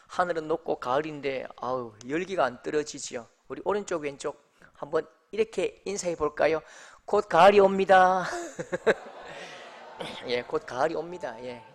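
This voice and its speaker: A man's voice: on the high side, a bit bright. A male pastor preaching a sermon, telling folksy stories with acted-out quotes.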